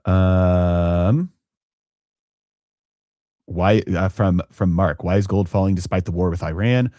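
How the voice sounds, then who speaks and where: A man with a very deep voice hosts a live finance stream, thinking aloud with frequent fillers and restarts. The sound is dry and close, with no room around it. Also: steady tone, mellow, no echo. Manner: halting, many fillers and restarts. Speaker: finance channel host. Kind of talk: live-stream market commentary.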